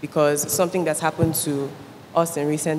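In a Nigerian accent, a woman speaks very deep and low at a fairly quick pace. Her delivery is flat and monotone, with light background noise. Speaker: artist; panelist. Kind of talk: panel discussion. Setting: stage with audience. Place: stage. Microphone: handheld.

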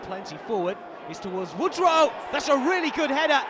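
Very wide pitch swings mark this man's high voice. He talks at a fairly quick pace over noticeable background noise. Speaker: football commentator. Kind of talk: live football commentary. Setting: stadium broadcast commentary. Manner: animated, excitable.

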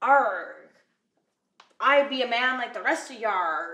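In a put-on character voice, a female-sounding speaker talks at a high pitch and a fairly slow pace, with audible echo. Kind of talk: scripted dialogue, playful put-on pirate voice. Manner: gruff, swaggering.

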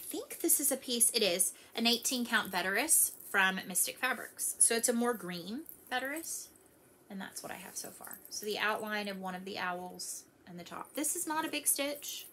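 An ordinary speaking voice moves at a moderate pace with lively intonation and big swings in loudness, over light background noise. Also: woman, fairly high pitch for a woman. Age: 40s. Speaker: cross-stitch vlogger. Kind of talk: casual show-and-tell vlog. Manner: chatty, many filler ums. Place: home room. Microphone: phone near.

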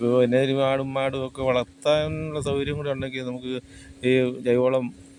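A man's medium-pitched voice in monotone, flat intonation, with noticeable background noise. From Kerala, Pala (Kottayam). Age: 70s. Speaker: farmer. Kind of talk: interview. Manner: halting.

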